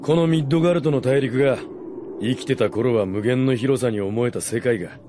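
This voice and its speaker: A man playing a cynical, rough-spoken mercenary warrior in a radio drama, blunt and casual. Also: mid-range voice, a little fast, noisy background, lightly acted. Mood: wistful. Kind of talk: Japanese radio drama acting.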